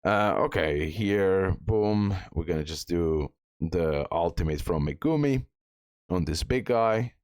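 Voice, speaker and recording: A man's voice: low-pitched, expressive, takes it slowly, darkish tone, clear, resonant tone, dry recording, studio quality. A man giving a casual gameplay walkthrough as a guide host, thinking aloud as he goes. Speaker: gaming guide creator, host.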